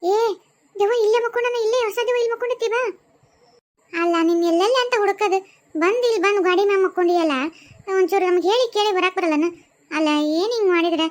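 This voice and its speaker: A woman's voice: very high voice, quick pace. A woman voicing a scolding, motherly ghost companion in a cartoon, speaking North Karnataka Kannada and lecturing the new ghost. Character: older ghost companion, calm, preachy, scolding. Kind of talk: cartoon voice acting.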